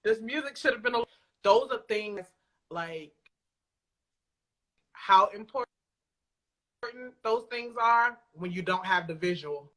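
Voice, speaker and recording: An American woman from Alexandria, Virginia, chats casually as a podcast guest; she creates audio dramas. Her medium-pitched voice is fairly bright, with lively intonation, a slow pace, and frequent pauses. The informal, conversational exchange is captured in poor audio quality.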